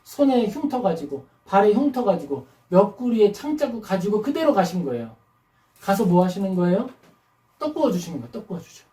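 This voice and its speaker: A woman's voice: mid-range voice, very animated, fairly quick, dark tone. A woman pastor preaching a sermon emphatically, firing rhetorical questions and acting out quotes. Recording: roomy hall, mic at a distance.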